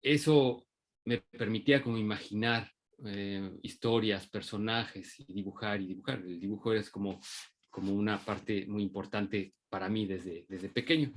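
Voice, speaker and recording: A man's voice: on the low side, fairly even intonation, normal speed. A man with a Mexican accent gives an informal talk about his work, hesitating often and restarting his sentences. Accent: Mexican Spanish. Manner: hesitant, many restarts and fillers. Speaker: invited puppeteer speaker.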